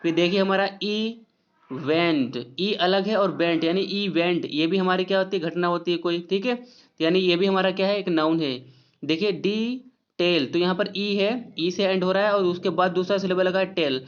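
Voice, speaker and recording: A man teaching English spelling rules, spelling out letters slowly and often checking in with his viewers. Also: high voice, steady tone, clear, resonant tone. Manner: repeats "ठीक है" often, slow spelled-out letters. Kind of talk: explaining lesson to viewers. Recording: dull lo-fi recording.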